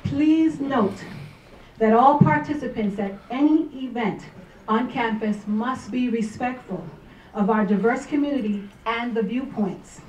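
A woman's voice: fairly high pitch, a little mellow. Woman administrator reading policy at a podium; distant mic, faint room hum. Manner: formal, measured reading. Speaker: college administrator. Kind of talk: reading a formal statement. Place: large lecture room at a podium. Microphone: podium mic, far camera. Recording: echoey room from far off.

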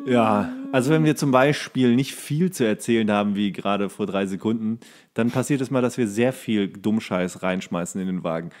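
A man's voice: lowish voice, moderate pace, a little mellow. A man co-hosting a podcast, chatting casually in a rambling, colloquial way with coarse slang. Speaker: podcast co-host. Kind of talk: casual chat.

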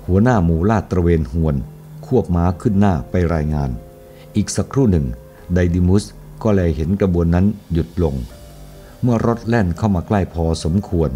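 Low, dark-toned man narrating a historical novel, steady delivery. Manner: steady, even storytelling. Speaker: audiobook narrator.

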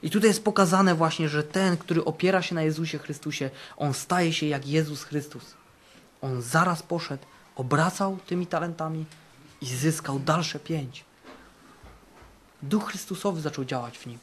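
A man preaching a fervent sermon at a Christian camp, repeating phrases for emphasis and swinging between loud declarations and hushed passages. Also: on the high side, normal speed. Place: camp meeting.

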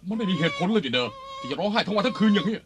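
A man's voice: high-pitched, expressive, very fast, noisy background. A man voicing an anxious, impatient master of a wealthy household who barks orders, in a dubbed period drama. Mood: irritated. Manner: commanding, impatient.

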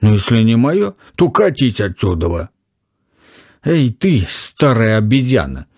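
A man's voice: mid-range voice, very animated, measured pace, darkish tone, no echo, clean studio sound. A man doing a fussy cowardly old crook. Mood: indignant. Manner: indignant, then whimpering in fear. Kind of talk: audiobook character voice.

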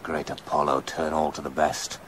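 An actor playing a reverent courtier returning from the oracle in a radio drama. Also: male voice, a bass voice, flat delivery, normal speed, a bit bright, slight background noise.

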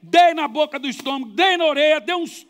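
High, bright-voiced Brazilian pastor preaching. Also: male voice, fairly quick. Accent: Brazilian Portuguese. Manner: lively anecdotal preaching, swinging from quiet asides to loud outbursts. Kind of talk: sermon with humorous storytelling.

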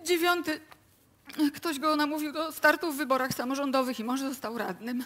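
High-voiced, tearful widow. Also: female voice, steady tone, a little fast, fairly bright tone. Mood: wounded, reminiscing. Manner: emotional, tearful, talkative. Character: grieving, defensive middle-aged widow of a small-town mayor. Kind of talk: live radio play acting.

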